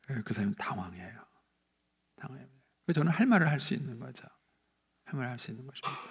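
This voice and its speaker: A male pastor preaching a sermon in a church, telling stories and acting out the people he quotes, jumping up in pitch for emphasis. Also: gravelly, breathy edge. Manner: animated storytelling, acting out quoted voices, rising sharply for emphasis. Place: church sanctuary.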